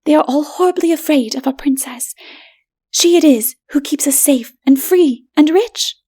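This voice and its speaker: A female narrator plays a high-voiced, haughty but fearful woman in a dark fantasy storybook. The delivery is breathy and whispery, timid and trembling, with a snobbish streak. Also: normal speed, natural voice. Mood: smug. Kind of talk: dramatic audiobook reading.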